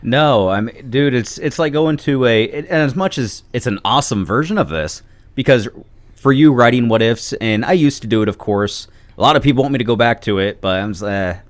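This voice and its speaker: A man's voice: medium pitch, lively intonation, a little fast, no echo. A man chatting casually as a podcast guest, talkative and informal, rambling through his thoughts. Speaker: podcast guest, video creator.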